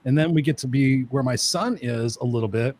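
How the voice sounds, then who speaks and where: A man's voice: medium pitch, a little fast, a little mellow. A man hosting a casual chat show, telling stories animatedly and acting out the dialogue. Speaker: show host.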